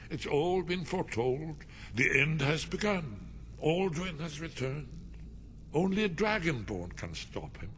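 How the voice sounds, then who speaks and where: An actor playing a paranoid, fatalistic old scholar in a video game, agitated and muttering in a theatrical way. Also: male voice, mid-range voice, a little hiss or hum. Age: older. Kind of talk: video game character acting.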